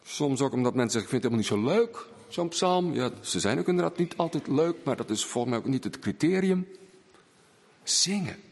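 A man preaching a sermon in a church, swinging between raised emphasis and hushed, low phrases. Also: expressive, fairly quick, gravelly, a little hiss or hum. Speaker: pastor. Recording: long church reverb.

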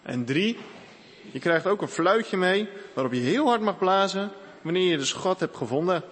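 A man's voice: high voice, expressive, normal speed, fairly bright tone, in a large hall, pitched above the performer's own voice. A man voicing a cheerful forest ranger father who explains the game's rules to children in a read-aloud storybook.

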